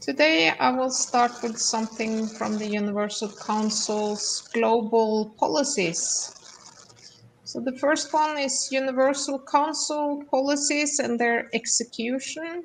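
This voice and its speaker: Amid noticeable background noise, a woman speaks at a very slow pace and a high pitch. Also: ordinary pitch variation. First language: Norwegian (speaking Portuguese). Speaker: council representative. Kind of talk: prepared presentation.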